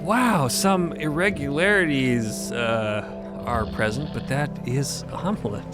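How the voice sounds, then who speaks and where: A man voicing an eager, bubbly woman explorer in a fiction podcast, stammering a little in excitement. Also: medium pitch, slow, over music, pitched above the performer's own voice, natural voice. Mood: delighted relief. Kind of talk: narrated audio fiction podcast.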